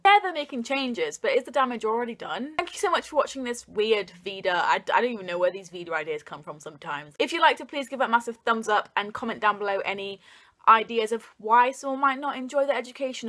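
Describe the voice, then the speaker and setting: A young woman speaks as the host of an opinion vlog, addressing her viewers directly. Her voice sits at an average pitch for a woman. She is informal and earnest, putting emphasis on her points. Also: a bit bright. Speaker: video host.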